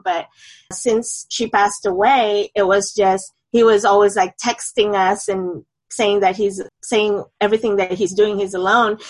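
Woman from Indonesia, thirties, podcast guest, hesitant and halting. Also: medium pitch, rough recording. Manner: hesitant, with many filler sounds. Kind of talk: interview.

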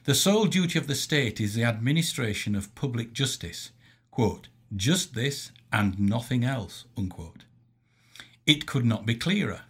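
A man reading a formal, scripted theological lecture in a measured, didactic way, setting off quotations with emphasis. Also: mid-range voice, lively intonation, a bit bright, husky. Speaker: Christian lecturer.

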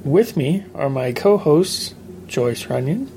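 A man's voice: on the high side, animated, takes it slowly, warm tone, slight background noise. A man hosting a podcast in casual chat, joking and playful with his co-hosts. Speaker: podcast host.

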